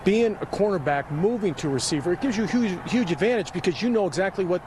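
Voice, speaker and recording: A man's voice: high voice, animated, quick pace, background noise. A man putting questions to someone as a sports interviewer.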